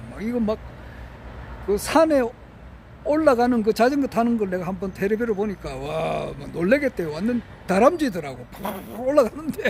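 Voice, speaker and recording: A man's high-pitched voice at a moderate pace, with very wide pitch swings, big swings in loudness, long, frequent pauses and noticeable background noise. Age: 70s. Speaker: retired civil servant vlogger. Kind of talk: casual vlog monologue. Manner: halting, repetitive.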